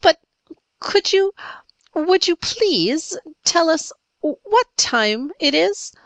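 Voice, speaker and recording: A woman reader puts on a polite little storybook girl. The voice is high and timid, swooping gently upward. She hesitates with a soft seriousness, recorded close and dry. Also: sing-song, extremely slow, no room sound, exaggerated voice. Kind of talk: storybook character voice.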